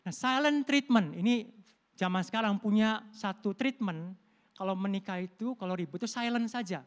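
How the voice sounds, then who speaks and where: A man's voice: sits high, moderate pace. A middle-aged man preaching a Sunday sermon at a church service. He talks in a conversational, storytelling way, addresses the congregation directly and slips English words into his speech. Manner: conversational preaching, addresses listeners as "saudara", tells personal stories. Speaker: pastor.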